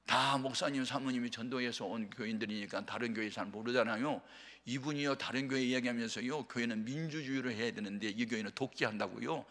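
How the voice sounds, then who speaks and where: An older man pastor giving a sermon, telling a story with swings from hushed to shouting. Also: medium pitch. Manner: retells arguments in lively voices, builds to shouting. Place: large prayer-retreat hall. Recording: long hall reverb.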